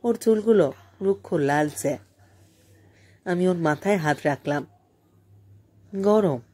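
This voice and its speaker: Measured woman storyteller reading a literary audiobook, low and unhurried. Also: warm tone. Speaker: audiobook narrator. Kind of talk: literary storytelling, first-person narration.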